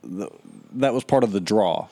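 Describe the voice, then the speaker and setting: A man in his early thirties co-hosting a podcast, talking in a measured, thoughtful, dry way. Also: fairly low pitch, animated, warm tone. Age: 30s. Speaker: podcast co-host. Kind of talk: casual chat.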